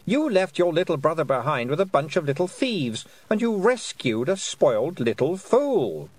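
A man's voice: on the high side, sing-song, normal speed, no room sound, voice pushed up. A man reading aloud and voicing a cruel, mocking fairy queen who taunts a girl. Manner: silky, taunting, condescending.

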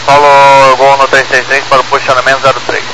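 A man's voice: medium pitch, completely flat delivery, fast talker. A Brazilian man on aviation radio, giving clipped readbacks and requests through a crackly channel. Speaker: pilot or ground radio operator.

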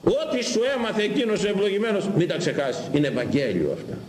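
Animated older man preaching in an echoey church. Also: sits high. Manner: animated preaching, scolding, repeating phrases, reciting scripture slowly. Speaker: Orthodox priest. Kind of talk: sermon on Proverbs.

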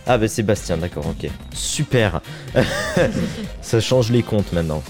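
Lively, laughing French radio host. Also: male voice, on the low side, unhurried, over music. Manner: laughing, chatty, lively intonation. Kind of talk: casual live radio chat.

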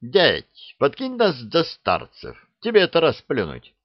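A man's voice: fairly high pitch, huge pitch swings, unhurried, dry recording, highs cut off, pitched above the performer's own voice, heavily acted. A man voicing a brash, impatient young hero in a storybook reading, brusque and colloquial.

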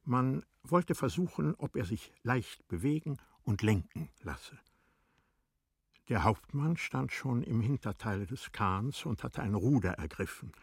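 Very husky, slow male narrator. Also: mid-range voice, lively intonation, no echo, studio quality. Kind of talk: literary narration in a radio play.

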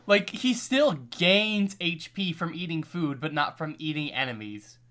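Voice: mid-range voice, unhurried, fairly bright tone. A young adult in a casual chat, arguing points and reasoning things out.

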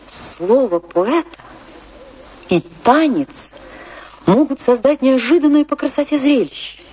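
A woman's voice: on the high side, a little mellow. An actress playing a passionate, lovestruck female dancer remembering her poet husband in a theatrical radio-play monologue. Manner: theatrical, lingering, rapturous delivery. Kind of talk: dramatic first-person monologue in a radio play.

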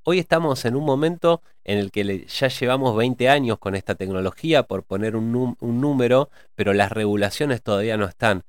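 A man in a reflective cultural discussion, pausing often with hesitations as he thinks aloud. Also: mid-range voice, clear, resonant tone, no echo. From Argentina.

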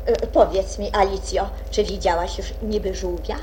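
A woman's voice: mid-range voice, fairly even intonation, normal speed, warm tone, a little hiss or hum, natural voice, low-quality recording. A woman playing an imperious, capricious queen who is fond of threats, in a theatrical children's radio play. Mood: bossy. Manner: commanding, regal, theatrical. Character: imperious queen, bloodthirsty and capricious, feigning sweetness.

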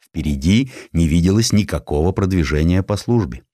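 Expressive low-voiced male narrator. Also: moderate pace, no echo, studio quality. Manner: expressive, theatrical. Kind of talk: dramatized audiobook narration.

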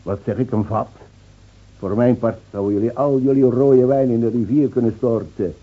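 An actor in a Dutch radio play playing a mocking, defiant old village drunk who foretells doom with theatrical scorn. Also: male voice, mid-range voice, moderate pace, phone-quality sound, lightly acted. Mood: defiant, scornful. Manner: taunting, theatrical, scornfully laughing.

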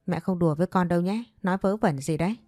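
A woman's voice: fairly low pitch, fast talker, dark tone, no room sound, studio quality, lightly acted. A woman doing a stern scolding mother. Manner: scolding, brusque. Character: stern, dismissive middle-aged mother.

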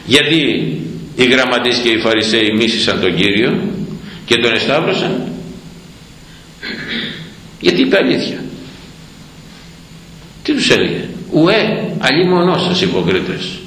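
Fiery male preacher with a bright, forceful voice that swings widely; echoey church. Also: medium pitch, animated, pauses often, slight background noise. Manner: fiery, exclaiming, rhetorical questions. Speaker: archimandrite preacher. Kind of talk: sermon.

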